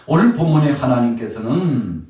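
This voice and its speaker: Male pastor, mid-pitched, preaching in a booming hall and heard from afar, rising to emphatic peaks. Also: expressive, moderate pace, warm tone, dull audio. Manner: preaching with rising emphatic peaks and frequent direct address to the congregation. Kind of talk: Wednesday service sermon. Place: church sanctuary. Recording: very echoey church hall, voice from a distance.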